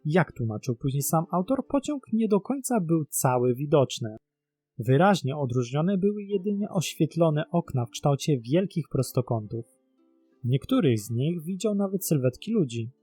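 A man's voice: a little high, very animated, moderate pace, mellow, breathy edge, no echo, faint music behind. A man narrating a scripted mystery documentary in a dramatic storytelling manner. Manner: dramatic, posing rhetorical questions. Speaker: narrator and host of a mystery series.

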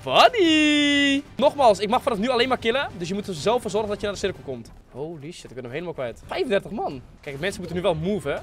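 A man, giving excitable live gameplay commentary in slangy speech sprinkled with English gaming words, close on a desk mic. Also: high-pitched, fast, soft background music. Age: 20s. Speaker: game streamer hosting an online hide-and-seek. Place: small room at a gaming desk, indoors. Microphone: close desk microphone.

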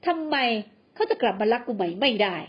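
A woman's voice: fairly high pitch, expressive, fairly quick, highs cut off. A woman doing a brash jealous ex-husband. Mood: blustering. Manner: rough, coarse and pleading.

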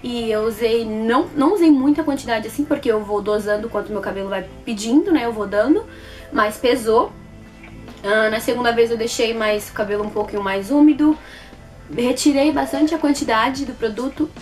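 Casting: Brazilian woman, twenties, high voice, casual and expressive product-review delivery, light music bed underneath. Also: moderate pace. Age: 20s. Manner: expressive, repeats words for emphasis. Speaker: beauty vlogger reviewing products. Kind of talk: casual chat to camera. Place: small plain indoor room.

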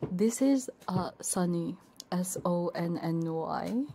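Slow, soft-toned woman livestreamer. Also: on the low side, lively intonation, husky. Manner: giggly, doting and playful, cooing to pet dogs. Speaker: livestreamer, ASMR VTuber. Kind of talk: casual livestream chat, often whispered. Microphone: binaural 3Dio ASMR microphone. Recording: faint background noise, live stream.

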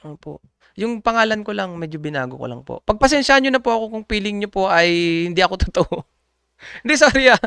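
A man's voice: high voice, expressive, fast talker, bright, forceful tone, smooth, no room sound, clean studio sound. A man speaking casually and politely to viewers, rambling with many hesitations and fillers, often laughing. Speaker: community group member addressing viewers. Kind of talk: casual unscripted monologue.

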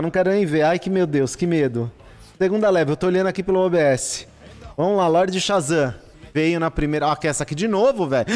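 A man, commentating a live gaming stream, excitable and exclaiming and swearing at what he gets. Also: on the high side. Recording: long reverb with faint music behind. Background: faint background music.

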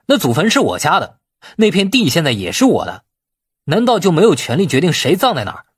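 A man voicing a quick-tempered, proud male heir in an audiobook drama, speaking emphatically and indignantly. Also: fairly high pitch, huge pitch swings, breathy edge, voice pushed up, heavily acted.

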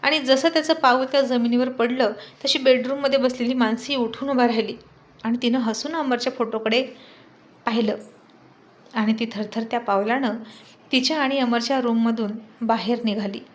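A woman storyteller narrating a serialized love story in a steady, descriptive way. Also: fairly high pitch, normal speed.

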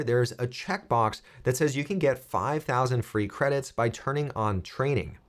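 An American man in his thirties giving clear, step-by-step instructional narration for a software tutorial. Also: medium pitch. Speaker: tutorial presenter.

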